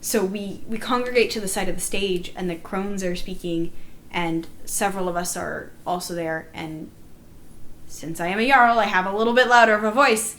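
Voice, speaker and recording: A woman's voice: medium pitch, fairly even intonation, moderate pace, fairly bright tone. Emphatic woman storyteller, noisy background. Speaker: player recounting a live-action roleplay game. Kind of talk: animated storytelling in a group discussion. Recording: noticeable background noise.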